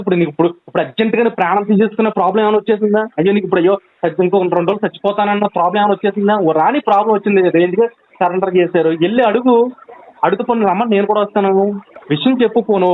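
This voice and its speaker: A man's voice: high-pitched, slight background noise. A man on a phone call, urgently pleading and reasoning with a friend, with many restarts. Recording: tinny phone line recording.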